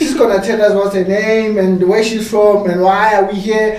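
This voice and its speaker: Amid noticeable background noise and audible room echo, a man with a high pitch speaks at a fairly quick pace. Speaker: online radio podcast host. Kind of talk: casual interview chat.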